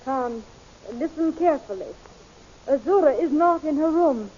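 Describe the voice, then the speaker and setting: An actress playing an earnest, anxious young princess in a theatrical 1930s radio serial style. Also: female voice, high voice, expressive, a little slow, mellow. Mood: urgent, alarmed. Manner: urgent, theatrical. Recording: muffled, hissy 1930s radio recording.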